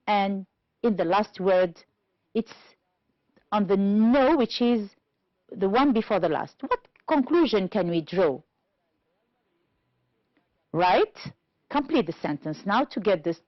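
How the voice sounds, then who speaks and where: A woman teaching an English pronunciation lesson on television, explaining slowly and deliberately and checking understanding with questions. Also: mid-range voice, lively intonation, dry recording. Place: TV studio. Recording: dull, lo-fi dry studio sound.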